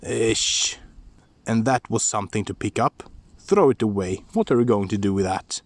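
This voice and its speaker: A man's voice: on the low side, normal speed, close to an everyday voice. A man voicing scornful older brothers who scoff and sneer dismissively. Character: two scornful older brothers, young men.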